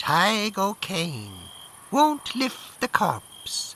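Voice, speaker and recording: A put-on character voice, fairly high in pitch. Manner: wicked, mocking with a laugh.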